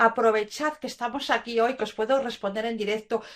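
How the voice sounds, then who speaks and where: A woman with a Galician accent speaks at a fairly high pitch. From Galicia, Spain (Lugo). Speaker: communication and public speaking trainer. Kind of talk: webinar talk. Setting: online webinar. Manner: fast; varied pace, dynamic.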